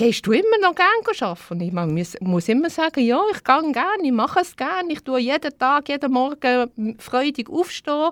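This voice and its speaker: A woman with a Swiss accent, high-pitched and swinging very widely in pitch, at a moderate pace, in a very clean, silent recording with a dry, close sound and no echo. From German-speaking Switzerland. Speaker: interpreter. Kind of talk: radio interview.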